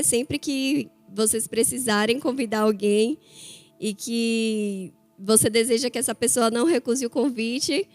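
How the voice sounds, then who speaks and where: A woman in her thirties from Bahia with a Bahian accent, preaching a chatty, story-filled sermon to a church. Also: a little high. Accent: Bahia Portuguese. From Bahia, Brazil. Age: 30s. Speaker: guest preacher.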